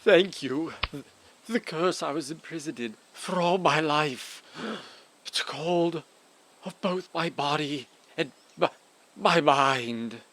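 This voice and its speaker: Man as a slow, solemn fairy-tale king. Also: fairly high pitch, a bit bright. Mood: dazed, grateful. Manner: halting, grandiose. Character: dazed, solemn, newly uncursed lindworm king. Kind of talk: audio fairy-tale comedy drama acting.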